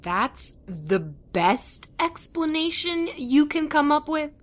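Woman as eager believer, measured pace, lively delivery. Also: sits high, exaggerated voice. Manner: earnest and excitable, playing along politely. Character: eager young woman who believes in ghosts. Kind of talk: audio drama acting.

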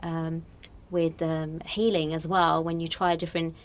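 A woman's voice: low-pitched, flat delivery, unhurried. A woman from Morocco talking casually and reflectively as an interview guest.

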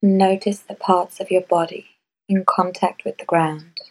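Slow, soft-spoken woman guiding meditation. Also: lowish voice, fairly even intonation, poor audio. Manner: soft, slow, measured with long pauses. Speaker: meditation guide. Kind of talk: guided meditation.

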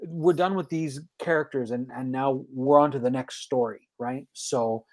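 A man's voice: mid-range voice, fairly even intonation, normal speed. A man in his forties, a guest on a podcast, chatting casually and enthusiastically with frequent restarts. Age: 40s. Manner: enthusiastic, rambling, many restarts.

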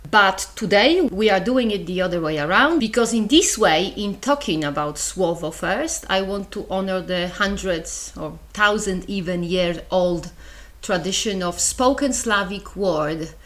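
A woman's voice: medium pitch, expressive, measured pace, a bit bright. Chatty Polish-accented woman podcaster. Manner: chatty and wry, with asides and small laughs. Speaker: podcast host. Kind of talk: solo podcast lecture.

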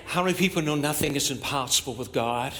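A man's voice: mid-range voice, fast, a bit bright, slight background noise. A man preaching and praying as a church pastor, in a declamatory, repetitive cadence punctuated with amens. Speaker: pastor leading a church service. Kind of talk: sermon and public prayer. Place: church platform, speaking to a congregation.

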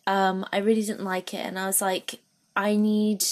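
A woman's voice: medium pitch, level tone, moderate pace. A woman who grew up in Thailand, talking at length as a guest artist in a casual video-call interview. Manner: rambling, self-described waffler.

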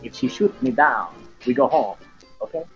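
A man's voice: mid-range voice, lively intonation, normal speed, dull audio, soft background music, natural voice. A man playing a cocky, wisecracking young barfly in an audio horror story.

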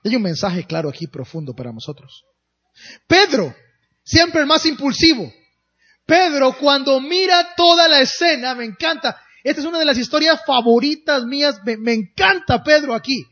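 A man preaching a sermon as pastor, with dramatic pauses and drawn-out emphatic phrases. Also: very high voice, animated, bright, forceful tone, dull audio.

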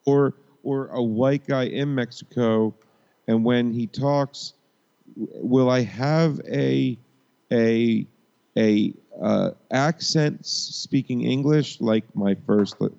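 A man's voice: mid-range voice, takes it slowly, gravelly, warm tone. A man co-hosting a podcast in casual chat, joking and rambling with restarts, on dull lo-fi sound. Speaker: podcast co-host.

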